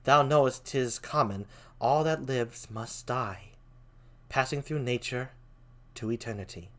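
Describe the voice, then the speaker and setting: A man voicing a gentle queen and mother, very softly, in a theatrical Shakespeare reading. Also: mid-range voice, measured pace, lightly acted. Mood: gentle, pleading. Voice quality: soft. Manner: gentle, hushed. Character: soft-spoken gentle queen, adult mother.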